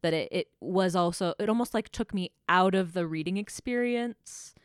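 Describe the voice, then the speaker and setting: A woman co-hosting a casual book podcast, thoughtful and often pausing to find the right words. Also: fairly low pitch, clean tone, dry recording, studio quality. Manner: thoughtful, searching for words, self-correcting.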